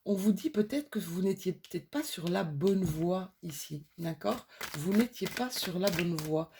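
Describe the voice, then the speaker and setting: Woman, card reader, slight cold, low pitch, gravelly, soothing and reassuring, faint background noise. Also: dark tone. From France. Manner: soothing, reassuring, many fillers and restarts. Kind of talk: intuitive card reading for viewers.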